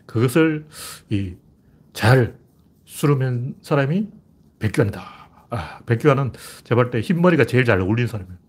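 An older man giving a rambling, blunt, rough-spoken commentary monologue in a casual way. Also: mid-range voice.

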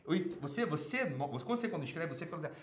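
A man's voice: on the high side, animated, fast, reverberant. A man with a Brazilian Portuguese accent who hosts an advice show, answering a listener's email in a blunt, casual monologue full of swearing. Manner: blunt, swears often, emphatic.

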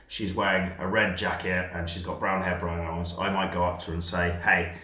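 Deep-voiced man coaching in an echoey room. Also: little pitch movement, fairly quick, bright, forceful tone. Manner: chatty, explains step by step with fillers. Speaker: dating coach. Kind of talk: casual instructional podcast chat.

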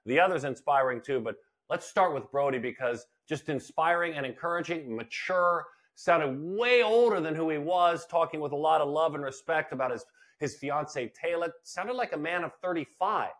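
An older man co-hosting a casual baseball chat, his voice sitting a bit high for a man. He talks with lively emphasis and often circles back to repeat a phrase for effect. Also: normal speed. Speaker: podcast co-host, baseball broadcaster.

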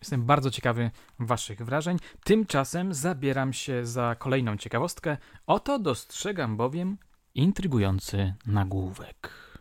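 A man's voice: mid-range voice, lively intonation, unhurried, slight background noise. A man hosting a true-crime podcast, reading old newspaper reports aloud in scripted, theatrical narration and putting rhetorical questions to his listeners. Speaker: podcast host.

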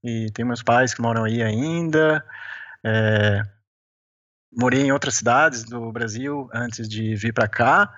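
A man's voice: medium pitch, slow pace, a bit bright. A man with a Brazilian accent, a guest talking in an easygoing, chatty way and heard over a phone line. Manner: easygoing, chatty, sprinkles "né" and small laughs. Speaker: podcast guest, beginner mountaineer. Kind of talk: casual interview chat.

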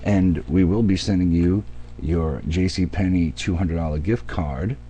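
A man's voice: low-pitched, a little slow, mellow, faint music behind. A man hosting a radio show in chatty, folksy DJ patter, speaking directly to his listeners. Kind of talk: radio DJ patter, ad reads and weather.

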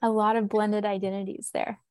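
A woman's voice: mid-range voice, little pitch movement, brisk, darkish tone. A woman hosting a podcast, speaking in a casual interview style. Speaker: podcast host.

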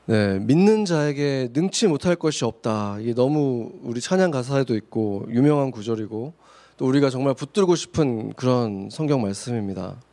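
A man's voice: mid-range voice, lively intonation, moderate pace, mellow. A man preaching a Sunday sermon, reading scripture aloud and then explaining it with many rhetorical questions. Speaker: pastor.

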